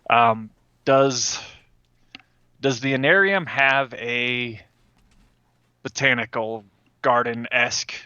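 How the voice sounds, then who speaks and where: Male game player, casual and tentative narration, bright edge, slightly muffled dry recording. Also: medium pitch, slow, long pauses, clean tone, dry recording.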